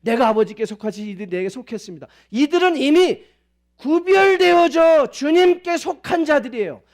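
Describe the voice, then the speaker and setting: A male pastor preaches a sermon at a church service in a very high voice, animated and asking the congregation many questions.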